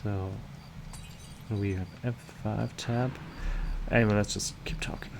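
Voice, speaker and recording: A man's voice: on the low side, steady tone, a little slow, vocal fry, slight background noise. A man streaming a video game, giving commentary and murmured asides as he reads along. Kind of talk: gameplay commentary, reading game text aloud.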